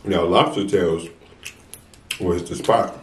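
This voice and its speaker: Low-voiced young American man, echoey room. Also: fairly even intonation, slow, slight background noise. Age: young adult. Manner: informal, slangy, talks between mouthfuls. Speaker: mukbang vlogger. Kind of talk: casual chat to viewers while eating. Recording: roomy echo, distant mic.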